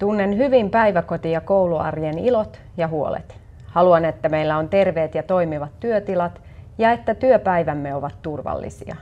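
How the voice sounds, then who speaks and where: At a fairly slow pace, a woman speaks in a normal speaking voice with a fairly low pitch. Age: 40s. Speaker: teacher and candidate. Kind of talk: campaign video speech. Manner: formal.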